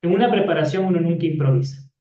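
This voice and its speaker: A man's voice: a little high, lively intonation, fast talker, dark tone. Man teaching in an echoey classroom. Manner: explanatory, frequent "¿sí?" and "¿ya?" tags. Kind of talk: classroom lecture. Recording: echoey room, distant dull mic.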